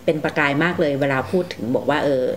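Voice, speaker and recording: A woman hosting a conversational interview, gently prompting her young guests with questions. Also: low voice, steady tone, fast. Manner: gently prompting, calls herself "big sister" to young guests. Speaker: radio programme host interviewing two young sisters. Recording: faint background noise.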